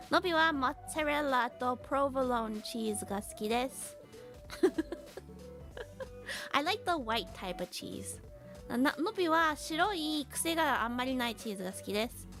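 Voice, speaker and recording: This live streamer has a high, bright voice with a forceful tone. She chats casually across languages, keeps her English slow and simple for learners, and reads viewers' names aloud with upbeat giggles.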